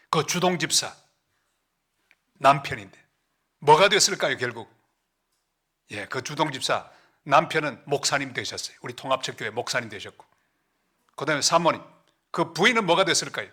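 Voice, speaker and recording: A middle-aged pastor with a Gyeongsang accent preaching a sermon in a church, storytelling with big swings and sudden hushed, slow asides. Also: male voice, fairly high pitch. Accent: Gyeongsang Korean. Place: church sanctuary.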